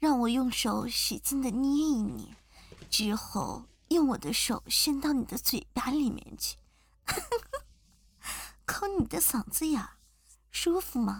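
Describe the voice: A woman uses a put-on character voice, pitched high with a slightly husky edge. She goes at a slow pace, with big pitch swings and long, frequent pauses.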